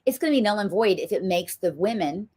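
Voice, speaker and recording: A woman's voice: medium pitch, animated, fast talker, a little mellow, breathy edge. A woman with a Southern US accent, hosting a political talk show and speaking emphatically, with frequent ums. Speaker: show host.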